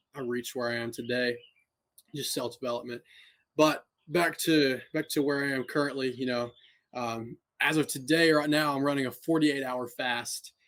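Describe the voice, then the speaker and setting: A man talks at a medium pitch and moderate pace, captured in a very clean recording with a silent background. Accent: slight Southern US. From US South, Alabama. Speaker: fitness coach and company executive. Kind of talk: podcast interview.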